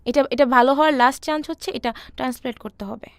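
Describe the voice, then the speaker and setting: A young woman, telling her personal story softly and hesitantly with many fillers. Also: high voice, racing, gravelly, dry recording. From Bangladesh. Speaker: interview guest.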